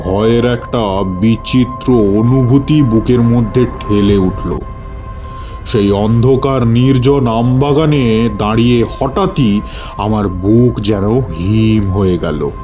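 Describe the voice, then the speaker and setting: Music plays behind a man telling a horror story in the first person. His voice is dark and mellow, and he unfolds the narration slowly and dramatically. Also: medium pitch. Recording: music bed under the voice.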